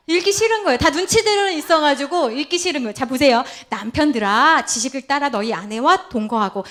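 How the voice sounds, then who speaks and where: A middle-aged woman pastor preaches in a church with a high voice that leaps up and down. She is playful and laughs often. She calls on members of the congregation by name and quizzes them. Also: fairly bright tone. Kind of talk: lively interactive sermon with role-play. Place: church sanctuary.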